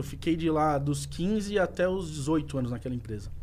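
With noticeable background noise behind him, a man talks with ordinary pitch variation. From São Paulo (Itaquera), Brazil. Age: 30s. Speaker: investment firm founder. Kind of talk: casual chat.

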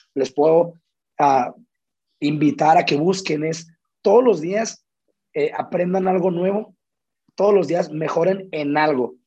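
A man speaks very slowly at a high pitch with lively intonation. His tone is dark and mellow. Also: long, frequent pauses. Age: 20s. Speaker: dance teacher and choreographer. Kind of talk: interview. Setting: live stream.

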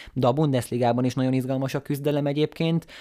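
In a very clean recording with a silent background, a man talks very fast in a dark, mellow tone. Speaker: sports podcast host. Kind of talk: casual chat.

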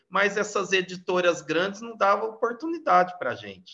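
A man's raised, projected voice, high in pitch, bright and sharp in tone, with ordinary pitch variation. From Brazil, Franca (São Paulo state interior). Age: 40s. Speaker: consultant and author. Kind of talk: casual interview chat.

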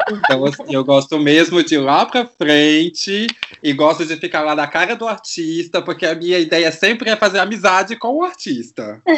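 A man's high voice rises and falls with lively intonation while noticeable background noise runs underneath. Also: moderate pace. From Brazil, Vitória, Espírito Santo. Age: 30s. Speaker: podcast listener guest. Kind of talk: casual chat. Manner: animated.

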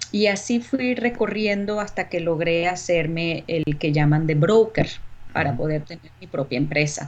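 A woman speaks fairly slowly in a fairly low pitch, her intonation lively. Noticeable background noise runs underneath. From Venezuela. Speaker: real estate broker. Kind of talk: interview.

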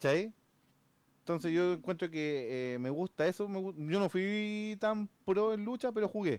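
A man with a Chilean accent, high-pitched and lively in intonation, at a fairly slow pace, in a dry, close sound with no echo. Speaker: card game player. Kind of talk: casual chat.

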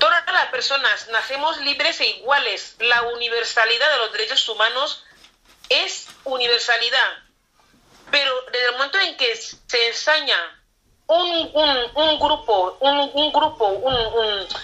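Speaking at a fairly slow pace, a woman uses a high pitch. Her pitch variation is ordinary. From Equatorial Guinea. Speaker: writer and human rights activist. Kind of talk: interview.

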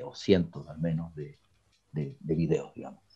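A man's dark, mellow voice with a Chilean accent and lively intonation. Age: 50s. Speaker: book editor and publisher. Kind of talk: interview conversation.

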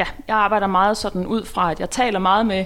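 The pace runs fairly quick. It is a plain, everyday voice throughout. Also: woman. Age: 40s. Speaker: business coach and HR consultant. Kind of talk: interview.

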